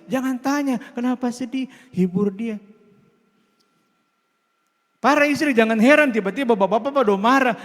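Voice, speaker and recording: A man with a Sundanese accent preaching a Christmas sermon in a church, lively and playful, with jokes and laughter. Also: extremely high pitch. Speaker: pastor. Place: church hall. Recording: long hall reverb.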